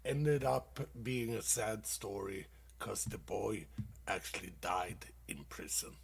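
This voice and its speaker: Man, comedy host, corny jokes, laughs at own punchlines, slow gravelly delivery. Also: lowish voice. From Sweden. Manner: casual, calls listeners dude. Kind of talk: dad-joke stand-up on internet radio.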